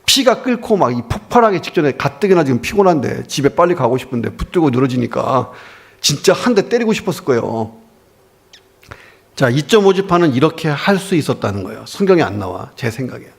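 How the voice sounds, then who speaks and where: A male pastor delivers a sermon in an animated, storytelling way. His voice sits a little high and swings widely in pitch as he acts out the people he quotes. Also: fairly quick, vocal fry, husky. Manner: lively storytelling preacher, acting out quoted voices.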